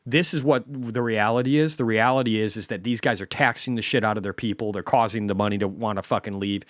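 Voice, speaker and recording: A man's voice: on the low side, steady tone, quick pace, dry recording, studio quality. A man hosting a market commentary stream, ranting bluntly and swearing heavily.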